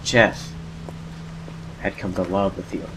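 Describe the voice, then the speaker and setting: Deep-voiced man narrating horror. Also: flat delivery, noisy background. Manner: measured, dramatic, pausing between phrases. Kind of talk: scripted horror story narration. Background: music under the narration.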